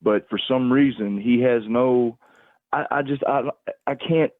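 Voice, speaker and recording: A man calling in to a livestream over a phone, rambling casually in a halting, repetitive way as he searches for words. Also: mid-range voice, no room sound. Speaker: call-in caller on a livestream. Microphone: phone call. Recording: tinny, narrow phone-call line, dry.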